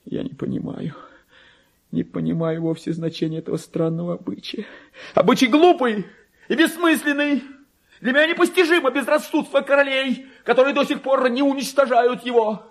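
An actor in a radio play voicing a deluded, tormented clerk who believes he is king, theatrical and volatile, with a husky voice. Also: extremely high pitch, normal speed. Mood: indignant, bewildered. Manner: theatrical, volatile, swinging from hushed muttering to anguished outcry. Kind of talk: dramatic radio monologue reading of classic literature.

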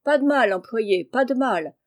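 A woman's voice: a little high, animated, normal speed, lightly acted. Woman doing a jovial prankster man. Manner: breezy, jovial.

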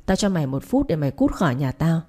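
A woman's voice: low voice, sing-song, fast, mellow. A woman voicing a furious young wife who orders people out of her house in a harsh, commanding way.

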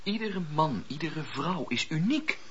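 An actor playing a fervent, earnest wandering preacher of the seventeenth century, declamatory, in a radio drama. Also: male voice, on the high side, very animated, husky, exaggerated voice. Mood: calm conviction. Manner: declamatory, impassioned storytelling with dramatic pauses. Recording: dull, lo-fi radio play recording.

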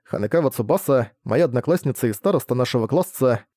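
Mellow male audiobook narrator. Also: medium pitch, lively intonation, fast, no room sound, studio quality. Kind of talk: reading a novel aloud.

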